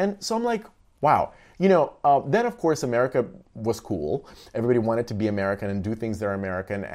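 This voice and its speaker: In a Russian accent, a man talks at a very fast pace. His medium-pitched voice has lively intonation. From Russia (Soviet Union). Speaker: jazz pianist, dancer and media personality. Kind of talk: interview. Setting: remote call. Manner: animated.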